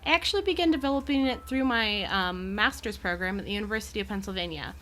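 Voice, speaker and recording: A woman's voice: mid-range voice, animated, fast, a bit bright, natural voice. A woman playing an amiable, poised Gorgon educator in an audio drama, with articulate, genteel and reassuring phrasing. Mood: earnest, passionate.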